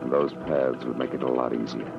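A man acting a wry, world-weary private detective in a 1940s radio drama, with clipped, slangy, deliberate delivery. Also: a bass voice, steady tone, vocal fry, heavy background noise. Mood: wistful narration. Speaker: lead actor and narrator. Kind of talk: 1940s radio drama acting, first-person noir narration. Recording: muffled old radio broadcast, music behind.

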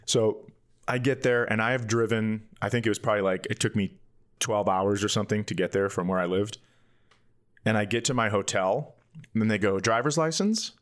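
A man with a fairly low voice tells comic stories in a casual, conversational way. He is candid and self-deprecating, like a working comedian chatting on a podcast. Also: a little fast. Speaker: stand-up comedian and podcast co-host.

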